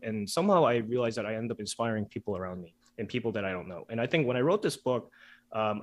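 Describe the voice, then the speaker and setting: A man whose first language is Korean, talking as a guest author in a casual interview, relaxed and chatty with many fillers. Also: medium pitch. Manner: relaxed, chatty, frequent "like" and "you know" fillers, laughs easily.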